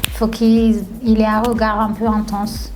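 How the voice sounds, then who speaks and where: A woman's voice: fairly high pitch, monotone, a little slow, a little mellow, poor audio. Chatty young woman, laughing aside. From Tunisia. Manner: chatty, laughs often, repeats words. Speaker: reality TV contestant. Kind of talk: casual confessional interview. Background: faint background music.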